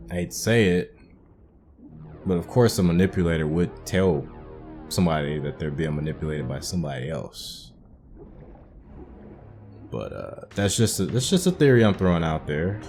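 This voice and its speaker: A man's voice: low-pitched, a little mellow. A man hosting a gaming playthrough, commenting casually and informally as he thinks aloud and explains things. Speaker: gaming video host.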